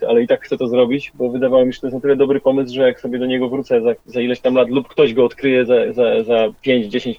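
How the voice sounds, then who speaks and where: A man's voice: medium pitch, no room sound. Man, rapper being interviewed, reflective and colloquial, dry close sound, slightly muffled. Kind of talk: interview answers.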